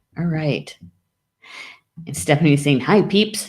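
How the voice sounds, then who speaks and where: In a very deep, low pitch, a woman speaks with a dark, mellow tone. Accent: American. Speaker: spiritual live stream host. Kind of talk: casual live stream chat. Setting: live stream. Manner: hesitant, many fillers.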